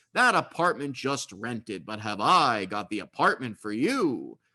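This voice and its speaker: Putting on a character voice, a man speaks at medium pitch and a moderate pace, with big swings in loudness. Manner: smooth, salesy, overly eager.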